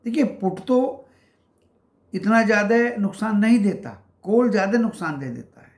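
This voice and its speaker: A man hosting a stock market channel, giving casual market commentary. He calls his viewers friends and walks through price levels with many pauses. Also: sits high, gravelly, a little mellow, echoey room.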